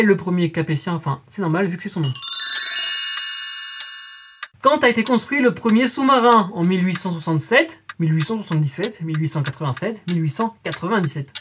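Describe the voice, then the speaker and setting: A woman's voice: on the low side, a little hiss or hum. A woman in her twenties hosting a scripted educational quiz, chatty and playful, calling her viewers friends and adding jokey asides. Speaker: quiz show host.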